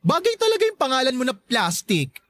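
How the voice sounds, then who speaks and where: A woman playing a sassy, sharp-tongued gay best friend in a Filipino radio drama, catty and taunting with a Filipino accent. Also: sits high, wildly swooping pitch, fairly quick, no room sound, studio quality, exaggerated voice. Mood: sassy, mocking.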